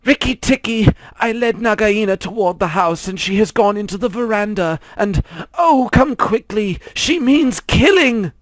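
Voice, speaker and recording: A man doing a shrill, frantic mother bird. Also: expressive, measured pace, no echo. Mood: panicked. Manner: shrill, screaming. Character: frightened female bird, frantic. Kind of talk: storybook reading.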